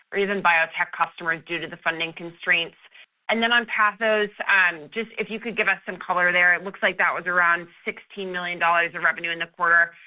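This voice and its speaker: A muffled, band-limited call line carries a woman's slightly low voice. She is a financial analyst putting polite questions to company management.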